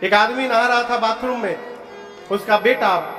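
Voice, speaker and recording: Brief: man, high voice, slow storytelling preacher with an Eastern Uttar Pradesh accent, chants verses, echoey hall with faint music. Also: bright, forceful tone. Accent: Eastern Uttar Pradesh (Purvanchal). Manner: storytelling, questions the audience, chants verses slowly. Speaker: kathavachak preacher. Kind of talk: devotional sermon with sung verses.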